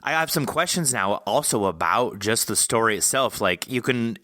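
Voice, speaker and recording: A man's voice: medium pitch, lively intonation, moderate pace, pushed and bright, dry recording, studio quality. A man hosting a casual interview, talking in a wordy, rambling way as he thinks aloud. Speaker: podcast host interviewing an author.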